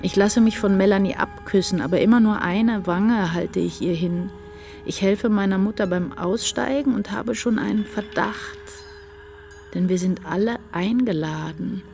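An actress playing an introspective woman writer, narrating her inner life in a measured, literary radio-drama style. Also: lowish voice, vocal fry, darkish tone. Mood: reflective. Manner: measured, deliberate.

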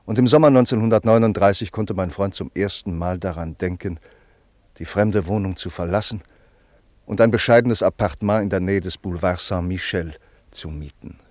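A man narrating a scripted radio play in a sober, measured way. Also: low voice, a little mellow, no room sound.

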